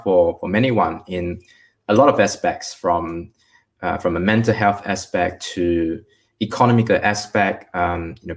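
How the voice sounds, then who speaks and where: A young man from Malaysia with a notably low voice, answering an interviewer's questions in a thoughtful, halting way. He fills his pauses with "um" as he looks back on things. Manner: reflective, many filler pauses. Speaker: guest. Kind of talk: online interview.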